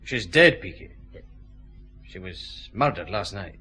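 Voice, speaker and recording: An actor playing a firm, brisk detective chief inspector questioning people in a radio drama. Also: male voice, on the low side, expressive, bright, forceful tone, full character voice. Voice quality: terse, questioning. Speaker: police detective.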